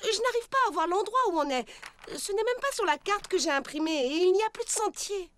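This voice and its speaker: A woman's voice: very high voice, expressive, fairly quick, very noisy. A woman voicing a bookish, helpful young girl who loves telling stories in a children's cartoon, over music. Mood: thoughtful. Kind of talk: French children's cartoon dubbing. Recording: background music under the voice.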